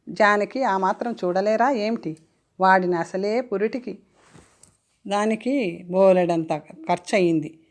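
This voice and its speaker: A woman's voice: medium pitch, close to an everyday voice. A woman voicing an irritated young husband who talks curtly and dismissively. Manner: curt, dismissive.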